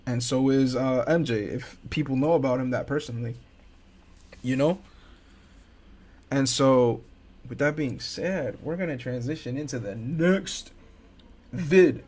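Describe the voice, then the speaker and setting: A young man talks his way through a casual reaction stream in an unhurried drawl. He leans on slang, restarts his sentences and throws in excited asides. His voice sits at an ordinary middle pitch. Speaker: host.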